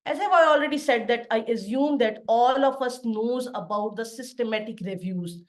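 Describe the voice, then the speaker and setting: A middle-aged woman from Pakistan gives an online lecture over a video call. Her voice sits a little high, and she explains her points plainly, step by step. She pauses often with "uh" as she goes. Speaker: assistant professor giving a webinar lecture. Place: home study with bookshelves behind.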